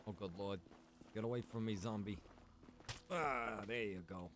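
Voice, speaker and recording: A man's voice: fairly low pitch, fairly even intonation, measured pace, a bit bright, slight background noise. A man chatting casually as he livestreams a game, rambling along in a laid-back way. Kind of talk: casual livestream chat while gaming.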